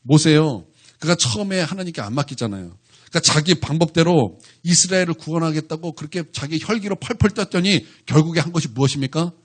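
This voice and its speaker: A man's voice: a little high, expressive, quick pace. A male pastor preaching a sermon in church, talking animatedly and keeping the congregation engaged with one question after another.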